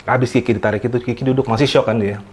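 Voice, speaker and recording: Animated man with speech. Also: medium pitch, rapid-fire, slight background noise. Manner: animated, repeats words for emphasis. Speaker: guest storyteller. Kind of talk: casual horror storytelling.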